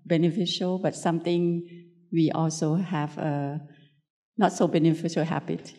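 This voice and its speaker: Slow, low-voiced Thai woman teaching. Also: steady tone, warm tone. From Thailand. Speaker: Buddhist nun giving a dharma talk. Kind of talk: unscripted spiritual teaching talk.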